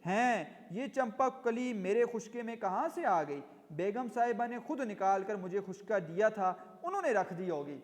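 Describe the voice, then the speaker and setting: A man voicing a cunning, scheming old female housemaid who protests loudly, in a room with long reverb. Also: high voice, natural voice. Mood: indignant.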